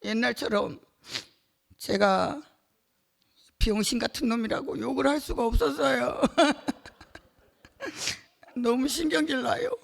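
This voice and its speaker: Speaking to her church gathering, a middle-aged woman gives her testimony slowly and haltingly, her slightly high voice carrying a gravelly edge. She pauses often, filling the gaps with hesitations and little laughs between phrases. The effect is heartfelt and personal rather than polished.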